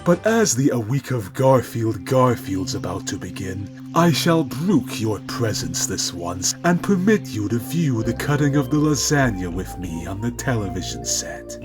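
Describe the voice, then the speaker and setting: A man's voice: mid-range voice, big pitch swings, a little slow, few pauses, music in the background. A man voicing a macho, pompous, menacing cartoon cat in a storybook narration, with a bombastic and wordy manner. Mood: stern, dismissive. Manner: bombastic, verbose, threatening.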